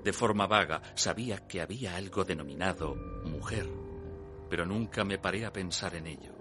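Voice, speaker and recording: An actor playing a pious priest who recounts his youth in solemn, measured, literary radio theatre narration. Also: low-pitched, lightly acted. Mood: solemn reminiscence. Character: pious male priest recalling his innocent youth and temptation. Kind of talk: dramatic first-person radio theatre narration. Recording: music under the voice. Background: music.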